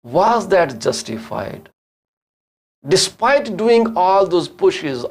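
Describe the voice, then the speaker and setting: Slow-talking man with an Indian accent. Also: a little high, darkish tone. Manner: fires off rhetorical questions; earnest, critical. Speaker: host of a real estate call-in show. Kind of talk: live talk show commentary.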